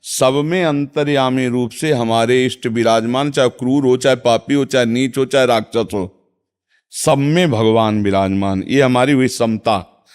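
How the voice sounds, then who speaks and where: A man's voice: medium pitch, measured pace, smooth. A man giving a devotional discourse as a spiritual teacher, answering followers' questions, chanting verses and then explaining them.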